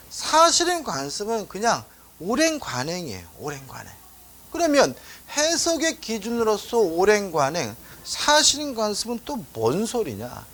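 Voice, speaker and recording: Middle-aged male lecturer, lively pitch, chatty teaching with rhetorical questions. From Seoul, South Korea. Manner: chatty, asks rhetorical questions, tells anecdotes. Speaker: law lecturer. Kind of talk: exam-prep lecture.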